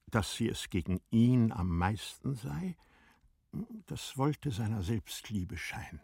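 A man reading literary narration for a radio play in measured, composed phrasing. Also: lowish voice, a little mellow, husky, no echo, clean studio sound.

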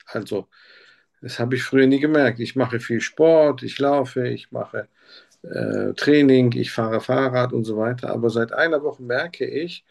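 Gravelly-voiced man, hesitant. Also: medium pitch, measured pace. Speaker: simulated patient. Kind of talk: role-played doctor-patient practice talk.

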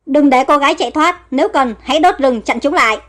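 Woman voicing a fierce warrior chief in an audio story, commanding, high voice. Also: fast talker, fairly bright tone. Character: fierce northern male warrior leader.

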